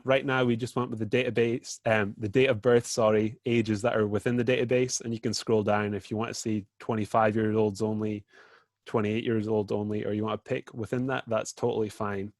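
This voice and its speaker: A man's voice: on the low side, a little mellow, no room sound. British man, informal screen-share presenter, lots of "um"s, dry sound. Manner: informal, with frequent fillers. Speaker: data dashboard presenter. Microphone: video call.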